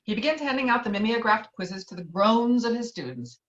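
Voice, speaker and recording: A woman's voice: on the high side, lively intonation, fairly quick, a bit bright, lo-fi sound. A woman reading out stage directions as scripted narration of a screenplay.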